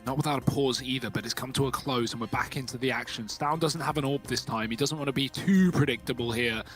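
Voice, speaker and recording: A man's voice: mid-range voice, fast talker, fairly bright tone, soft background music. A man giving esports commentary as caster and analyst, explaining the play in a conversational way with running asides.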